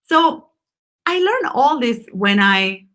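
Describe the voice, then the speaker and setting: A woman from Argentina teaches a lettering class, speaking slowly in a fairly high, bright voice with big swings in pitch. Her lecture is unscripted, full of ums and restarts.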